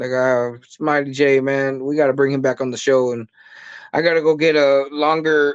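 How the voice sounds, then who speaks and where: This man talks at a moderate pace, his pitch sitting in the medium range. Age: 40s. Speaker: online talk show host. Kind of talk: casual chat. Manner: animated. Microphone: phone instead of computer.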